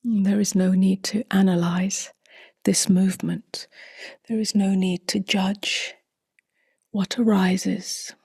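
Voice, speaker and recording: A woman leading a guided meditation in a soft, breathy half-whisper, with calm, gently spaced phrases. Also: medium pitch, slow pace, no echo, clean studio sound. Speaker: meditation teacher.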